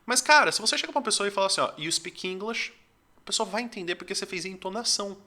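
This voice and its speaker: A young man from Brazil explains his teaching in a loose, chatty lesson. His voice sits high and very bright, and his pitch moves a lot, rising and dipping as he makes his points. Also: expressive, racing. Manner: conversational, lots of fillers like "tipo assim". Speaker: English teacher. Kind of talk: casual talking-head lesson.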